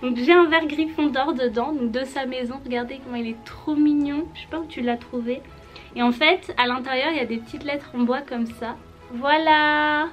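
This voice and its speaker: A woman youtuber gushing excitedly while she unwraps her gifts. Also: high-pitched, normal speed, faint music behind. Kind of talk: casual vlog unboxing.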